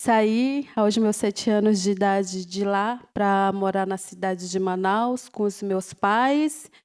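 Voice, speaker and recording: A woman from a Ticuna village in the Brazilian Amazon, whose first language is Ticuna, speaking slowly and haltingly on a discussion panel. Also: medium pitch, darkish tone, clear, resonant tone. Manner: slow, halting, many pauses and fillers.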